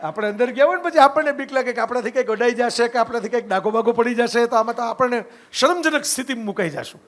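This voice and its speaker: A middle-aged man from Gujarat, India, speaks quickly in a very high-pitched and slightly bright voice. His talk is a conversational storytelling lecture blending stories with reflection, and he keeps asking "right?" to check in with the audience.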